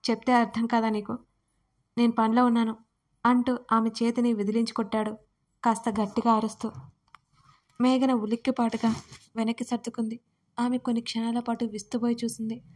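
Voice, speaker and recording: ఒకే స్థాయిలో కథ చదివే మహిళ. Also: female voice, on the high side. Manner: reads every part herself in a near-even storytelling voice. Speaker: storyteller. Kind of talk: scripted audio-story narration.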